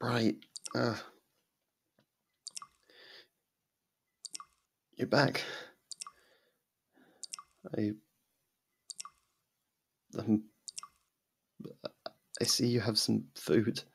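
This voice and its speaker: A man playing a frightened, humiliated young captive in an ASMR roleplay, halting and timid, with a gravelly voice. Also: mid-range voice, little pitch movement. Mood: timid, submissive. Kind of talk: ASMR roleplay audio drama. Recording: echoey, long cavernous reverb.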